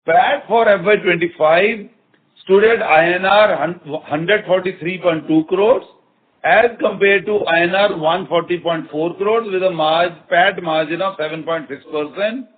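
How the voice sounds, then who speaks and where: A man with an Indian accent speaking as a company executive on an earnings call, halting and repeating phrases as he answers in a semi-formal business style. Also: high voice, husky. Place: conference call. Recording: muffled conference phone line.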